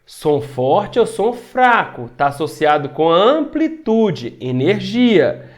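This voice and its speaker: Brazilian guy teaching physics online, kinda high voice, goes loud and quiet to show sounds, keeps asking if u got it. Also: big pitch swings, slow. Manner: explains step by step, checks in with students often; shifts loudness to demonstrate sounds. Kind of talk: online lesson.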